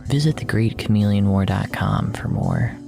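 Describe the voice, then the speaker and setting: A performer playing an ominous, unhinged narrator in a surreal war horror audio drama, speaking in a deliberate, menacing way. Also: low voice, huge pitch swings, creaky, heavily acted. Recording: loud music under the voice. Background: music.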